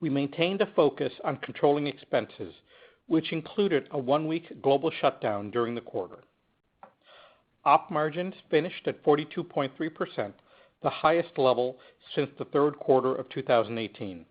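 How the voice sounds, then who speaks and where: A man presenting scripted financial results as a company executive, in a measured, businesslike manner on slightly dull conference call audio. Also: on the high side, lively intonation. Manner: measured, businesslike, reading prepared remarks.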